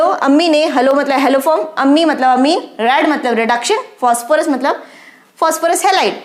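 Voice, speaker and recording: A woman teaching chemistry with a memory trick, who asks the class questions and answers them herself. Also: high-pitched. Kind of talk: explaining a lesson with a memory trick. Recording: roomy echo.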